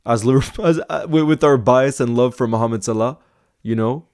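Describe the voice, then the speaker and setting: A man's voice: medium pitch, normal speed, a little mellow. A man hosting a casual football live stream, answering viewer comments in a chatty, thinking-aloud way with small restarts.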